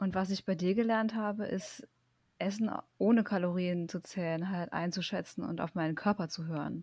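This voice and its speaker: At a moderate pace, a woman talks in an unremarkable speaking voice. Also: medium pitch for a woman, fairly even intonation. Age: 30s. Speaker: coaching client. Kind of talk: interview.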